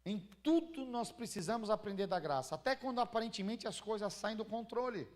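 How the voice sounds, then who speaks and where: A man's voice: high voice, brisk. A Brazilian man preaching as pastor in a church, talking casually and retelling stories with questions to the congregation. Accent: Brazilian Portuguese. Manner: conversational preaching with acted-out anecdotes and rhetorical questions. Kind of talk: sermon.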